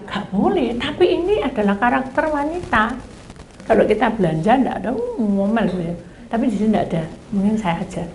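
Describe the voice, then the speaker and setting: Perempuan pendeta berlogat Jawa, nada hidup. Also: female voice, a little high, fairly quick, slight background noise. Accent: Javanese. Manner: animated storytelling, acting out her own dialogues, asks the congregation questions. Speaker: pastor. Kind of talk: sermon with personal testimony. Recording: echoey hall with faint ambience.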